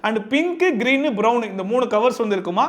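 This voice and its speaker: A man reviewing a reality show in fast, opinionated commentary, sarcastic and animated, full of rhetorical questions. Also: very high voice.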